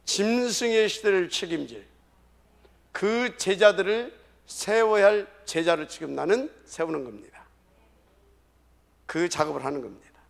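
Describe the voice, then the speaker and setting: A male pastor preaching a sermon in a high voice with a gravelly edge. He hammers his points home emphatically and then sinks into hushed, repeated phrases. The sound is that of a church service. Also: lively intonation, unhurried, long pauses. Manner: emphatic preaching, sudden drops to whispered repetition. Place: church sanctuary.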